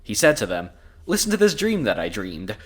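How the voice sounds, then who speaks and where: Lively low-voiced man reading aloud. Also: a little fast, husky. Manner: laughs often, crude and joking. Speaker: podcast co-host. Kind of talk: reading scripture aloud with casual commentary.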